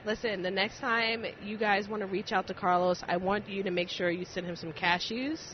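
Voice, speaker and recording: A man's voice: high-pitched, steady tone, moderate pace. A man hosting a casual podcast interview, effusive and teasing as he banters with the guest. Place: on location at a busy convention. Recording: dull lo-fi, faint event background noise.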